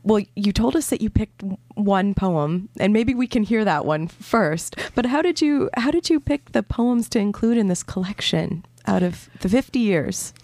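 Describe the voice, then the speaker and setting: A woman interviewer asking eager, quick questions and reacting with interest. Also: medium pitch, lively intonation, a little mellow, no room sound. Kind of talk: radio interview.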